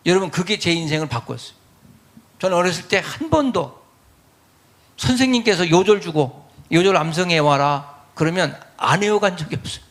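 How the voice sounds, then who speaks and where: A middle-aged man preaching a sermon as pastor, lively, acting out quoted voices of parents and churchgoers. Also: sits high, fairly quick, pauses often.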